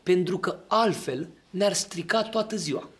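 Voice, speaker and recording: A man in casual podcast talk, explaining his ideas and often checking that the listener agrees. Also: sits high.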